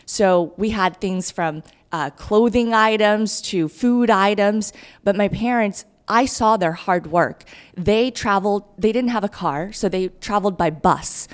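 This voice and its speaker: A woman in her thirties, originally from Guatemala and a first-language Spanish speaker, talks about her life on a podcast where she's a guest as a mayoral candidate. Raised in Kansas, she sounds upbeat and earnest, her mid-range voice keeping a measured pace.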